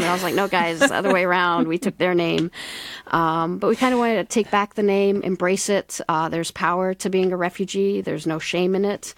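A woman's voice: on the low side, gravelly, no room sound. A woman from the Middle East, a school founder and soccer coach, answering interview questions earnestly with many fillers.

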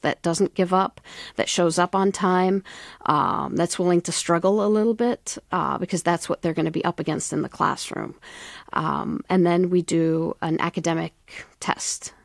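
A woman's voice: on the low side, steady tone, normal speed, vocal fry, dry recording, studio quality. A woman from the Middle East, a school founder and soccer coach, answering interview questions earnestly with many fillers.

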